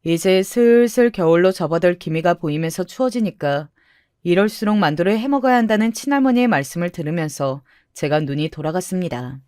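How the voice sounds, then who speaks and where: Lowish woman narrating a first-person story. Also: expressive, a little fast, a little mellow, dry recording, studio quality.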